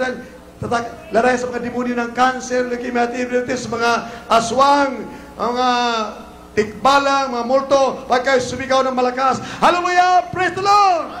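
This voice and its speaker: High-pitched preaching Filipino man, echoey. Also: slight background noise. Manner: preaching with sudden shouted exclamations. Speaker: pastor. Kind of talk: fiery sermon.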